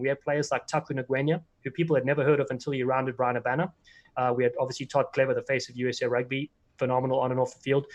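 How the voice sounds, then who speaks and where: A man with a South African accent, medium pitch, very fast pace and monotone, flat intonation. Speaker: rugby commentator and former player. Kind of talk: interview conversation. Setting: live stream video call.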